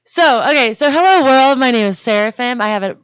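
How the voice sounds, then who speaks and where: A woman co-hosting a comedic podcast, telling stories fast and animatedly, with plenty of profanity. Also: on the high side, animated, clear, resonant tone, no room sound. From Denmark. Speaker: podcast co-host. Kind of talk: casual comedic chat.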